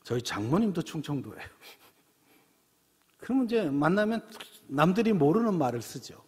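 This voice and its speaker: A middle-aged pastor from Seoul, preaching a sermon in a church in a chatty storytelling way, full of rhetorical questions. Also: male voice, a little high, very animated, moderate pace, a little mellow, husky. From Seoul, South Korea. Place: church sanctuary. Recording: long church reverb.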